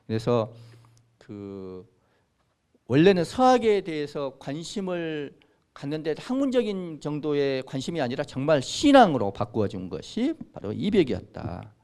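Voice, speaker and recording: A man's voice: on the high side, sing-song, measured pace, a little mellow. A man in his sixties, a priest, giving an informal history lecture and chatting with his audience with questions and asides. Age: 60s. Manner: conversational, asks the audience questions. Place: lecture room.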